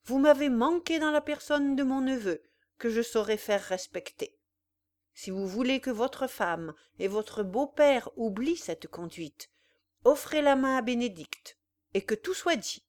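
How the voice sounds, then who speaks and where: A woman's voice: on the high side, expressive, measured pace, pitched above the performer's own voice. A woman reading a proud, indignant old farmer with white hair, speaking sternly. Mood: firm rebuke. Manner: stern and forceful.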